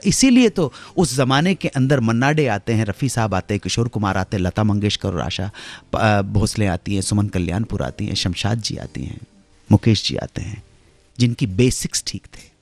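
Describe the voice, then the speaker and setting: A middle-aged man hosting a radio show, telling stories in a dramatic way that swings from hushed asides to loud exclamations. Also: mid-range voice, no echo. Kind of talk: storytelling radio narration. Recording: radio broadcast with faint music underneath.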